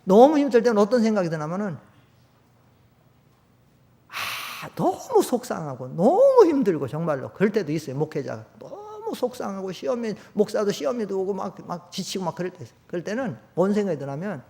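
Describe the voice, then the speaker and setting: An older man, a pastor, preaching a sermon in a church, talking conversationally and swinging between loud emphatic peaks and low quiet storytelling. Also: huge pitch swings, normal speed, vocal fry. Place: church sanctuary.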